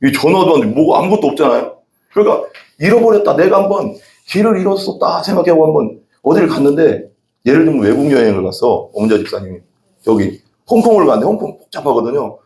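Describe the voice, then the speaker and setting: Preaching in a conversational way, this man often turns questions on his congregation during a casual sermon. His voice is fairly high yet darkish, swinging widely in pitch as he talks fast, and the recording carries the echo of the church sanctuary.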